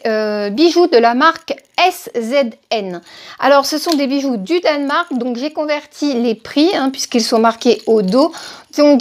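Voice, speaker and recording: A middle-aged woman from France hosting a casual shopping haul vlog, chatty and hesitant, with many fillers. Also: high voice. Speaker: haul vlogger.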